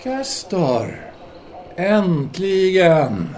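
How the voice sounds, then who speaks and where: An actor playing an earnest, pedantic intellectual in an audio drama, discursive and deliberate, a man devoted to his lover. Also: sits high, sing-song, darkish tone. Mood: eager, relieved. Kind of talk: audio drama letter monologue and dialogue.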